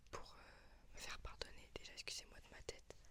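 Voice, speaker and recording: Someone whispers at a moderate pace. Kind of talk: casual talk to camera. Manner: whispered.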